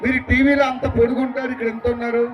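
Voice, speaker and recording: A man's voice: very high voice, flat delivery, racing, lo-fi sound. A man doing live stage comedy, cheeky and teasing. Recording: live outdoor crowd noise.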